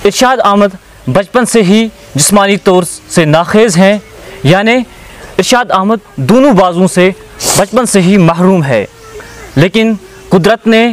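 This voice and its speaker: A man's voice: high-pitched, a little slow. A man presents an interview. His delivery is formal and declamatory, like a prepared introduction spoken outdoors. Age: 20s. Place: outdoors on a lawn beside a wooden house.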